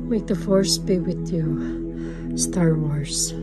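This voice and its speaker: A woman's voice: fairly low pitch, takes it slowly, loud music behind the voice. A woman with a Filipino accent doing casual vlog chat as a mother, slipping easily between languages. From Philippines. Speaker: vlogger and mother.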